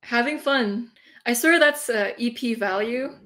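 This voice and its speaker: A woman's voice: fairly high pitch, unhurried, a bit bright. Upbeat woman hosting a video call. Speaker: host. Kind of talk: casual group video call.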